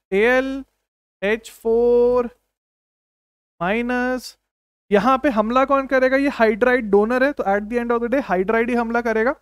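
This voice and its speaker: Guy teaching chemistry, high voice, fired up, keeps asking the class questions, dry close sound. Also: clean tone, dry recording. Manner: repeats short commands like "don't write, understand". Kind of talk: exam-coaching lecture.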